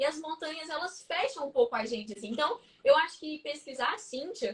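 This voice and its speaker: A woman at a moderate pace with lively intonation. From Minas Gerais, Brazil. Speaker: actress. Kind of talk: interview. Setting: live stream.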